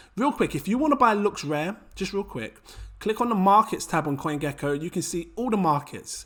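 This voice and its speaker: Animated and high-pitched, a man with a British accent speaks at a moderate pace with very wide pitch swings. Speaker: crypto YouTuber. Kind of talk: casual crypto investment talk.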